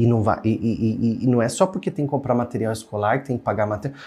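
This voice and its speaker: A man's somewhat breathy, dark, mellow voice at medium pitch with ordinary pitch variation, a fairly quick pace, and a very clean, silent background. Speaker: motivational speaker and channel host. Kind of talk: motivational pep talk with affirmations. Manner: earnest, animated, coaching tone, repeating affirmations.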